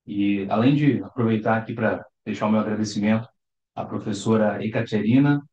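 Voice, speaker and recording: A man's voice: lowish voice, a little fast, highs cut off. Brazilian man talking in a roomy echo. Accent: Brazilian Portuguese. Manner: calm, explanatory, gestures with his hands. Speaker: psychologist. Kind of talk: to-camera talk. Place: living room, on a sofa.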